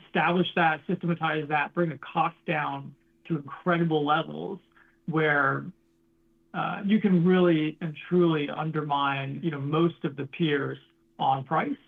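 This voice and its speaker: A man's voice: a little high, gravelly, phone-quality sound. A man speaking as a company executive answering questions on an earnings call, restarting often and using corporate jargon.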